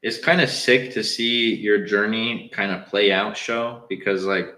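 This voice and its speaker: A young man with a Southern Californian accent chats loosely and slangily, answering viewers on a live stream. His voice sits a little low. The room around him rings with echo. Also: fairly even intonation, measured pace, bright, forceful tone. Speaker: livestream host. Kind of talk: casual livestream chat.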